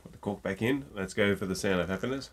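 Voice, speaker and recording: A man's voice: on the low side, fast. A middle-aged man with a stuffy nose from a cold, chatting jokily to camera from a room at home, close to a desk mic. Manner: chatty and jokey, with many ums. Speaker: gin reviewer. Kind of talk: casual tasting chat to camera. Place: home room with shelves of bottles.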